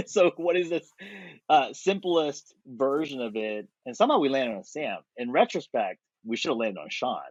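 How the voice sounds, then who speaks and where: A man in his thirties from South Korea, a podcast guest talking thoughtfully and with energy, pausing on fillers. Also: medium pitch, no room sound. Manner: thoughtful, animated, with frequent fillers and laughs. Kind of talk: conversational interview. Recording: dry, slightly dull podcast audio.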